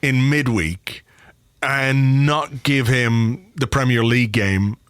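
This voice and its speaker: Croaky man hosting a football podcast. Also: mid-range voice, slow, fairly bright tone, dry recording. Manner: dry, sweary, self-mocking humour. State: has a cold, a bit croaky. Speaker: podcast host. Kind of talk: casual football podcast chat. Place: home office. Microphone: studio microphone.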